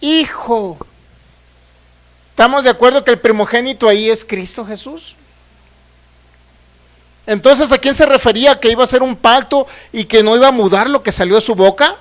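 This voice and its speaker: A man with a very high voice teaches from the Bible as a pastor. He reads verses slowly and with weight, then turns to the congregation with quick check questions. He is from Mexico. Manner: reads scripture aloud slowly and emphatically.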